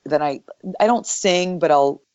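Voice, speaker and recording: A woman with a low, deep morning voice answers interview questions in a thoughtful, explanatory way. The sound is dry and a little dull, with no room around it. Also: measured pace, no echo. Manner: thoughtful, explanatory, with soft laughs. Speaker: voice actor guest.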